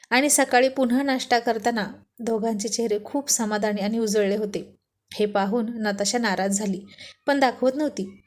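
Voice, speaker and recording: A woman's voice: fairly high pitch, darkish tone. A woman narrating a serialized romance story, with chatty asides to the listener.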